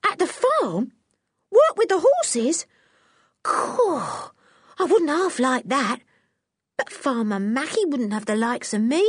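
A woman voicing an excitable working-class teenage circus boy who talks in rustic slang and bursts into eager exclamations. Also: sits high, slow, long pauses, no room sound, clean studio sound, pitched above the performer's own voice, heavily acted. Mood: thrilled.

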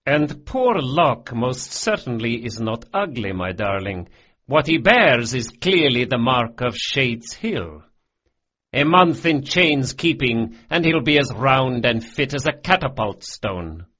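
An audiobook narrator voicing a genial, amused crime boss, a big middle-aged man, with a husky voice on a dull lo-fi recording. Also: medium pitch, very animated, slow, a bit bright, exaggerated voice. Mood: indulgent. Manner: amused, indulgent.

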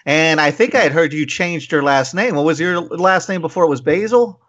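Casting: American male podcast host, fairly high voice, enthusiastic and profane chat, slightly dull lo-fi sound. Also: normal speed, fairly bright tone. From Maryland, USA. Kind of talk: casual podcast interview chat. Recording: dull lo-fi audio.

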